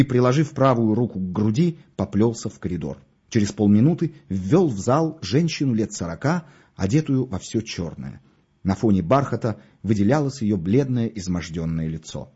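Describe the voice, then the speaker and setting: Male narrator, first-person story, dry irony, husky, slightly muffled recording. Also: on the low side, warm tone. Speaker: audiobook narrator.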